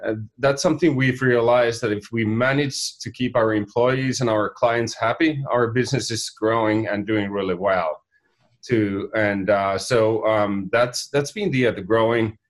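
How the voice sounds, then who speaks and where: Finnish-accented man, halting. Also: medium pitch. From Finland. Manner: halting, many fillers and restarts. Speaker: company founder, guest. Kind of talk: casual interview talk.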